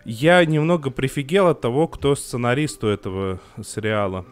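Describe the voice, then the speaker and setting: A man's voice: mid-range voice, lively intonation, normal speed, smooth. A young man co-hosting a podcast about TV series, talking casually and emotionally, with frequent restarts and filler sounds. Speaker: podcast co-host reviewing TV series.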